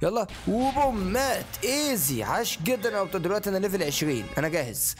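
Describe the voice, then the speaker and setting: A high-voiced Egyptian man narrates his game at a breakneck clip. He is excitable, tossing in English catchphrases between rapid shouts. Faint game music runs underneath. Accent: Egyptian Arabic. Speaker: gaming channel host. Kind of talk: excited Let's Play commentary.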